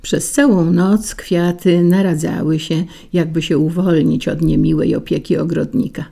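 A woman narrates a storybook tale with measured, expressive pacing. Her voice is dark and mellow, with a gravelly, husky texture. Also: low voice. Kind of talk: storybook reading.

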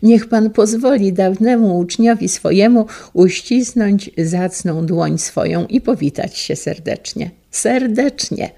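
A woman voicing a warm, eager middle-aged man greeting his old teacher with heartfelt feeling. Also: medium pitch, slow, gravelly, hardly any pauses. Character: grown son, warm and eager, a former pupil.

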